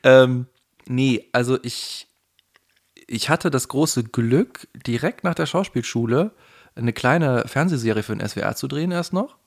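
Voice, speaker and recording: A man with a light Palatinate German accent talks through his career in a relaxed interview. He speaks thoughtfully and unhurriedly, filling pauses with small hesitations, at an ordinary middle pitch. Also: creaky. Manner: thoughtful, hesitant, many fillers. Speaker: guest, voice actor. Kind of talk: casual conversational interview.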